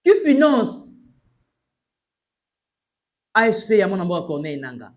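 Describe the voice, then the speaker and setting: A young man with a Congolese accent delivers urgent news commentary in a high voice, switching between French and Lingala. He speaks emphatically from a small plain room. He sits facing the camera as he talks. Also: sing-song, measured pace. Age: young adult. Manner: emphatic, urgent, gesturing while addressing the camera.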